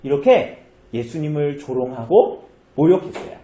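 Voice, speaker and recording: A man's voice: fairly high pitch, big pitch swings, moderate pace, warm tone, echoey room, a little hiss or hum. A man pastor preaching a sermon in a church, telling the story with animation and putting questions to the congregation.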